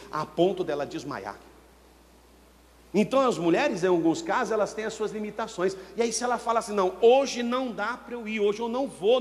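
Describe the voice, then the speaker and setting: High-voiced preaching man in a reverberant hall. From Brazil. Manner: preaching with sudden swings of pitch and loudness, acting out church members. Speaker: pastor. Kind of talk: sermon. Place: church hall.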